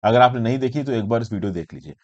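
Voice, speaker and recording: A man's voice: medium pitch, racing, muffled recording. A man with an Indian accent giving an explanatory current affairs lecture, conversational and teacherly, mixing in English terms and posing questions as he goes. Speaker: educator and presenter of current affairs lessons. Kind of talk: explanatory lecture for exam students.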